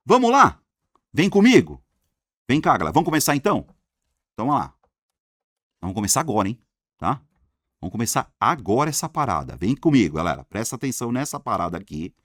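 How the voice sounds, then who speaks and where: A man with a Brazilian accent giving an energetic grammar lesson, talking in slang and answering his own questions. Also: on the low side, fast talker, pauses often, dry recording, studio quality. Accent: Brazilian Portuguese. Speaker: Portuguese grammar teacher.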